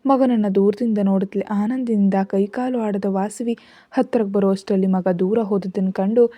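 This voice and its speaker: A woman reading a story aloud as narrator, in a steady, even storytelling manner. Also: medium pitch, moderate pace, no echo.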